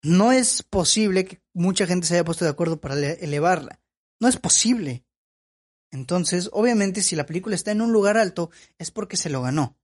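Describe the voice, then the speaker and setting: A man's voice: high-pitched, expressive, a little fast, few pauses. A man giving opinion commentary as a film vlogger. He talks in an emphatic, lecturing way and repeats his points.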